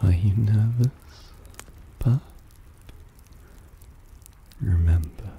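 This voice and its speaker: A man playing a suave, possessive vampire in intimate ASMR roleplay, soft, teasing and soothing, often dropping into a whisper. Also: fairly low pitch, very slow, muffled recording, a little hiss or hum.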